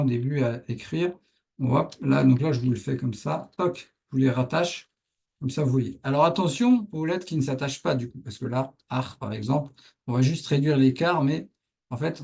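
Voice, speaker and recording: A man with a gravelly, husky voice teaches a writing lesson. He explains patiently, thinking aloud as he writes. His tone is dark and mellow. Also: medium pitch. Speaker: Arabic teacher.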